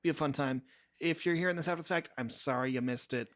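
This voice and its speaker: A man with a slightly high voice talks as a guest on a podcast. He is earnest and enthusiastic, speaking in a casual, conversational way. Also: fast talker, fairly bright tone.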